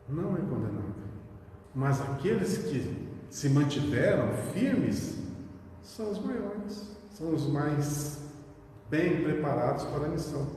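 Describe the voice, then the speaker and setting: A man's voice: medium pitch, a little mellow, slight background noise. A man giving a spiritist study talk, reading short passages aloud and explaining them with rhetorical questions. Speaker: spiritist lecturer. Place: meeting hall of a spiritist center. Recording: echoey hall recorded from far off.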